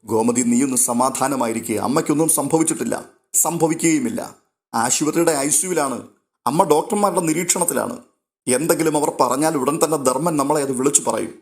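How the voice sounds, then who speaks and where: A man's voice: a little high, brisk, close to an everyday voice. A man voicing a stern middle-aged husband who questions sharply. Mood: calming.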